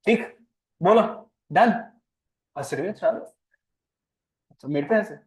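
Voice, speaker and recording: A man's voice: high-pitched, expressive, slow pace, lo-fi sound. A man teaching commerce in a classroom, playful and teasing, quizzing his students with speech. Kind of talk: classroom lecture.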